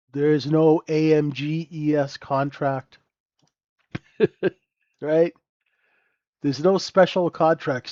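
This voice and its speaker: A man's voice: fairly high pitch, dry recording, dull audio. A man hosting a live trading room, talking through the chart with a stuffy, nasal voice and sniffling, keeps asking "right?".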